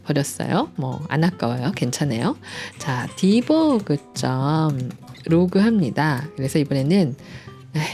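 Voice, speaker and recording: With a deep, mellow voice that swings widely in pitch, a woman teaches programming at home in a screen recording, talking a little slowly over soft background music. She is playful and cheerful, throws in "짠짠짠" effects, and patiently chats through every step.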